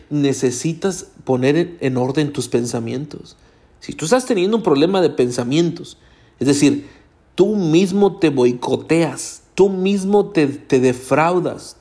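A Hispanic pastor from Latin America preaches an earnest sermon directly to his congregation. His voice is fairly high-pitched but dark in tone.

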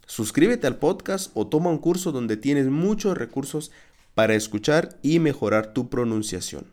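A man hosting a podcast lesson as a Spanish teacher, speaking in a clear, encouraging, teacherly way. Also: mid-range voice, expressive, moderate pace, a little mellow.

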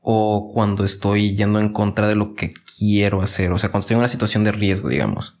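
A young man with a Mexican accent, co-hosting a podcast in a slangy, excitable way, full of fillers. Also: lowish voice, a little fast. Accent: Mexican Spanish. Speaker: podcast co-host. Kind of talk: casual podcast chat.

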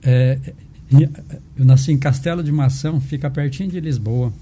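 An older man with a Brazilian accent, a physician being interviewed, talking casually and haltingly, often adding tag questions. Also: medium pitch, warm tone, a little hiss or hum. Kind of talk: casual conversational storytelling.

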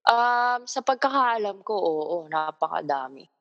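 A woman's voice: mid-range voice, animated, measured pace, highs cut off. A woman in her twenties from the Philippines, chatting playfully as a guest on a video call and laughing easily. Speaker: guest, model. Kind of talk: casual catch-up chat. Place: home in Melbourne.

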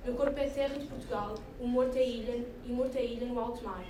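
A woman reciting a rhyming poem aloud in a measured, rhythmic way at a reading. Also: fairly high pitch, steady tone. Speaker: reader at a reading event. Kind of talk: poetry recitation. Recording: echoey room, distant mic, noisy.

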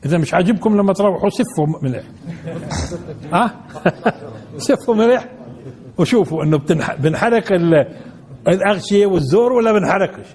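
A man's voice: sits high, expressive, brisk, long pauses, a little mellow, breathy edge. A man teaching a class, asking his listeners questions and repeating key words. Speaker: sheikh teaching Quran commentary. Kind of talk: classroom lesson in colloquial Arabic.

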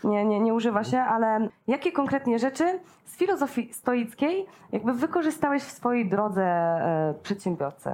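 A woman's voice: a little high, animated, normal speed, few pauses, a little mellow. A woman hosts a casual interview and asks her guest questions. She talks in a conversational way and keeps affirming him with short "mhm" sounds. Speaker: interviewer, host.

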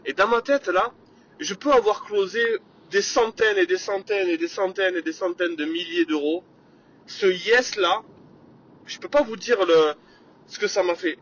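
A man's voice: high voice, normal speed, a bit bright, lo-fi sound, slight background noise. A man hosting his own podcast, talking energetically in a casual solo monologue, with lots of fillers and bits of English sales jargon. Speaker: podcast host.

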